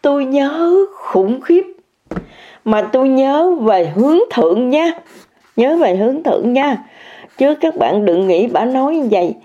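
An older woman who practises meditation shares her experience in a fairly high, dark-toned voice. Her delivery is emphatic and repetitive, aimed straight at her viewers. The recording sounds muffled and lo-fi.

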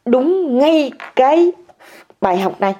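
A woman's voice: high voice, animated, a little slow, dark tone. An older woman giving an emphatic personal testimony to viewers, repeating words over and over and speaking straight to her listeners. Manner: repetitive, emphatic, addresses listeners directly. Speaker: meditation practitioner sharing an experience. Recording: muffled lo-fi recording.

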